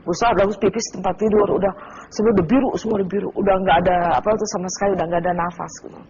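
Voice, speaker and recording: A woman's voice: medium pitch, fairly even intonation, very fast, darkish tone. A woman guest recounting a frightening night as personal testimony, retelling it vividly and emotionally. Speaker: guest, wife. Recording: dull lo-fi TV audio, faint noise.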